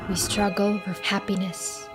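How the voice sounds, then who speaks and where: A grave immigrant woman voiced by an actress speaks very slowly in a film trailer monologue. She is selfless and full of sorrow, with music clearly playing behind her measured words. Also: medium pitch, flat delivery, close to an everyday voice. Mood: sorrowful.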